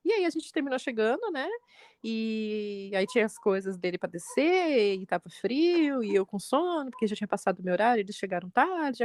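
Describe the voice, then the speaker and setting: A woman in her forties, a mother co-hosting a podcast, telling a family story in lively chat and jumping up in pitch when she quotes people. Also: dry recording, studio quality. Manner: animated retelling, quotes her son with pitch jumps.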